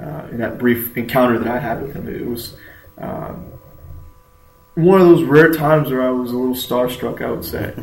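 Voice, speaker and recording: A man with an American accent talks at a medium pitch and a moderate pace, with ordinary pitch variation and long, frequent pauses. His loudness swings widely, and there is noticeable background noise. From Houston, Texas. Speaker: sports podcast host. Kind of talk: casual chat.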